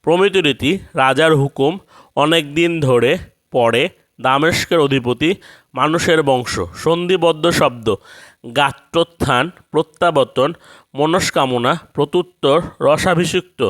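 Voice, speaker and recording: A man narrating a scripted grammar lesson, reading out word lists one by one in a measured way. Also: on the high side, fairly bright tone. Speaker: grammar teacher.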